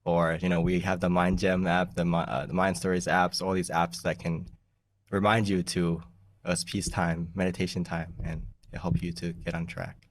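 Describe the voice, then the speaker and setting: A young man, a monk who grew up in the United States, giving an easygoing meditation talk on a video call, often laughing and clearing his throat. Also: low-pitched, flat delivery, moderate pace, no echo, distant mic. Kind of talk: relaxed teaching talk over a video call. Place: small plain room indoors. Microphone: large desk mic in front of him.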